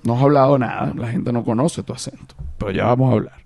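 A young man with a Venezuelan accent hosting a casual podcast, rambling and animated, with many restarts. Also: mid-range voice, fast talker, vocal fry, dull audio. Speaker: podcast host.

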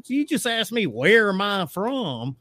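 A man's voice: high-pitched, takes it slowly, no echo. A Southern man in his forties from Tennessee, hosting a casual chat and laughing as he tells stories. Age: 40s. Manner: laughing, animated storytelling. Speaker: podcast host.

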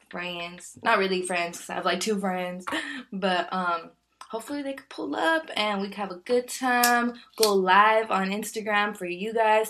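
A woman's voice: medium pitch, fairly bright tone, a little hiss or hum. Casting: woman, early twenties, candid solo podcast host, loose slangy delivery with frequent fillers and laughter. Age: 20s. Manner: chatty, candid, laughs often, many fillers. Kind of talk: casual solo podcast chat.

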